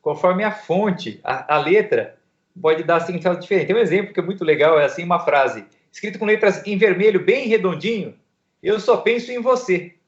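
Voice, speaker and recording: A man explaining ideas in casual conversation, lively and full of everyday examples. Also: sits high, brisk. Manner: lively, gives everyday examples, laughs lightly. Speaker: co-host in a discussion. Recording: echoey lo-fi recording.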